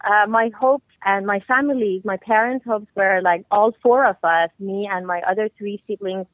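A woman's voice: mid-range voice, no room sound. Iranian-born woman on a tinny phone line. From Iran. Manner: laughs easily, eager and chatty. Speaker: guest. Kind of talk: phone interview.

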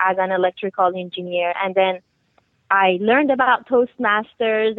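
A woman from Iran, a guest speaking over the phone, chatty and quick to laugh. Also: mid-range voice, no room sound. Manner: laughs easily, eager and chatty. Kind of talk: phone interview. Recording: tinny phone line.

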